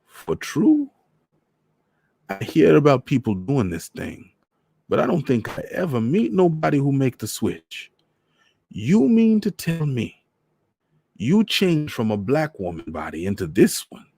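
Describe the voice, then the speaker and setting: A man's voice: medium pitch, wildly swooping pitch, unhurried, creaky, long pauses, dark tone, dry recording, clean studio sound, pitched above the performer's own voice, heavily acted. A man voicing a lonely, cheerful old man from Trinidad, speaking in a lilting island dialect with a Trinidadian accent. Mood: delighted.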